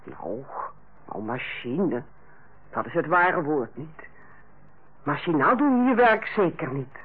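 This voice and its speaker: Radio drama role: strict, fussy ward sister, high animated delivery, husky edge, dull old recording. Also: female voice, slow pace, full character voice. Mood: defensive. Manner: bossy, precise, matter-of-fact. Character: strict, fussy senior hospital nurse, Carla, on holiday. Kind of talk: old Dutch radio play acting.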